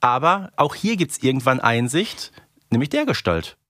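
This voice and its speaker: A man's voice: mid-range voice, big pitch swings, normal speed, pushed and bright, slight background noise. A man co-hosting a podcast, giving conversational commentary on audio dramas in a chatty, emphatic way. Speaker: podcast co-host.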